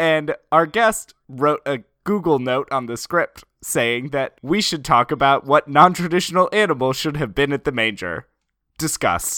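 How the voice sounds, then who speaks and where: A man with an American accent speaks at a fairly slow pace in a fairly high pitch with a bright, sharp tone. The recording is very clean, with a silent background. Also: lively intonation, dry, close sound with no echo. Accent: vague American. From USA. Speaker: podcast co-host. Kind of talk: casual chat.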